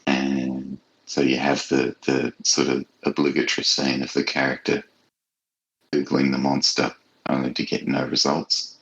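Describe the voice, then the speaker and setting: A man talking reflectively as a guest author in a casual interview, thoughtful and halting as he searches for words. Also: a bass voice, monotone, creaky, fairly bright tone, poor audio. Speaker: horror author being interviewed.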